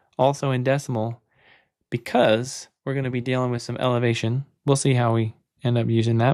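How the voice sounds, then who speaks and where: A man speaks at a medium pitch and a moderate pace. The sound is dry and close with no echo, on a very clean recording with a silent background. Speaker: plumbing instructor. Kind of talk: tutorial. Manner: monotone.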